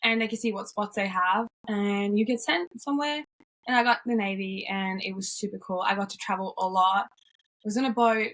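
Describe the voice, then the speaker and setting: A woman's voice: medium pitch, normal speed, fairly bright tone, poor audio. A young woman from Norway, cheerful and upbeat, chatting casually as an interview guest, with frequent yeahs and ums.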